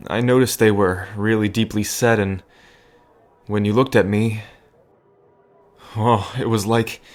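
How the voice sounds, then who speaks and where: A gentle bartender acted by a man with a slightly low voice. He is nervous and earnest, rambling softly and hesitantly as if speaking right to the listener in an audio drama. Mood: tender, worried. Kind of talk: intimate audio drama acting addressed to listener.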